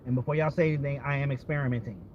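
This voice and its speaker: This American vlogger talks in rapid-fire fashion at a medium pitch with fairly even intonation. His chat is casual and candid, rambling, repetitive and full of swearing, and it's captured as dull lo-fi audio over background vehicle noise.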